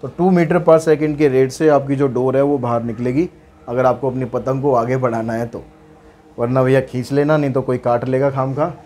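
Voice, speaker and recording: A man's voice: medium pitch, fairly even intonation, darkish tone. A man teaching maths, explaining problems step by step in a chatty way, asking and answering his own questions. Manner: reads English problem text slowly and deliberately.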